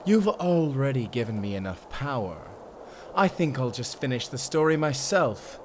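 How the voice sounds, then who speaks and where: A man's voice: mid-range voice, very animated, normal speed, slight background noise, close to an everyday voice. A man playing a gloating, menacing fantasy villain in an audio drama, with a mocking, theatrical delivery. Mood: threatening.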